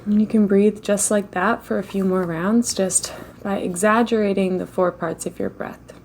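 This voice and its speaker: A woman leading a slow guided meditation in a gentle, unhurried way, with long pauses between phrases. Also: mid-range voice, fairly even intonation, slight background noise.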